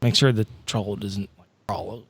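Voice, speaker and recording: A man's voice: lowish voice, steady tone, normal speed, vocal fry, husky, dry recording. A man playing a tabletop game, improvising casually in his everyday voice with a wry, hesitant, rambling delivery.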